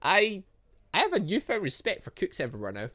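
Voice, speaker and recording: Young academy student, read by a gamer: earnest, hesitant, bright, with lively pitch swings. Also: a little fast. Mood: exasperated. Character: eager, easily flustered young student at a huntsman academy.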